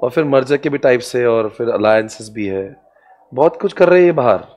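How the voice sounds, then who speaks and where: A man's voice: mid-range voice, expressive, a little fast, a little mellow, slight background noise. A man giving a classroom lecture on business strategy to students, playful and joking, often breaking into laughter. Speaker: commerce exam lecturer.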